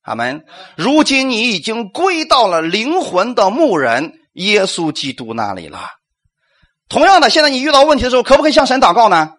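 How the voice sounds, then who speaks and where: A man's voice: extremely high pitch, sing-song, moderate pace, fairly bright tone. A male pastor preaching a sermon, asking rhetorical questions, acting out quotes and calling for amens.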